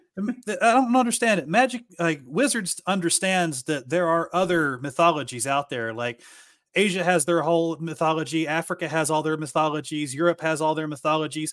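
Speaking fairly quickly in an Appalachian accent, a man with a fairly high pitch uses lively intonation in a very clean recording with a silent background. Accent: Appalachian American. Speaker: book reviewer and writer. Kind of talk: casual chat.

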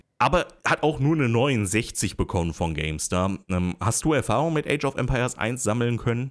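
A man speaks at a moderate pace and medium pitch, with lively intonation, vocal fry and hardly any pauses. His loudness stays very even, and the recording is very clean with a silent background. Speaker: strategy games podcast host and streamer. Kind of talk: casual chat. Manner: relaxed.

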